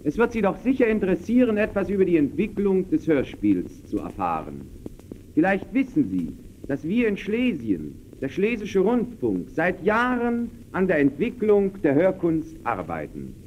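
Earnest radio pioneer: formal, emphatic, fairly high, animated pitch, dull vintage broadcast. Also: male voice, normal speed. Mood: earnest, persuasive. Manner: formal, emphatic, crisply declamatory. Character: earnest male radio pioneer lecturing sceptical guests. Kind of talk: scripted 1920s German radio presentation. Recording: dull, faintly noisy early radio recording.

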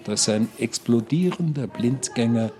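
A man's voice: medium pitch, expressive, a little slow, mellow, soft background music, close to an everyday voice. A man playing a glib, morbid character who coaxes his listeners with rhetorical questions in a radio play. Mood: dramatic, morbid. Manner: persuasive, rhetorical, darkly matter-of-fact. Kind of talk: radio play monologue and dialogue.

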